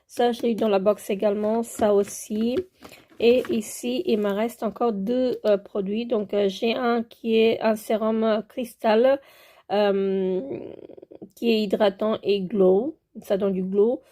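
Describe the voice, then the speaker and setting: A woman's voice: medium pitch, fairly even intonation, takes it slowly, mellow. A woman with a French accent showing her skincare products in a casual vlog, hesitant and full of filler sounds, moving around as she handles them. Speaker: beauty vlogger. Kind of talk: casual product show-and-tell.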